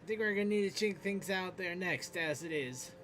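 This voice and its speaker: A man doing a comedic script read on a podcast, halting and stumbling over lines. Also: high-pitched, expressive, a bit bright, a little hiss or hum. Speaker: podcast cast member. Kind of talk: comedic character read with casual asides.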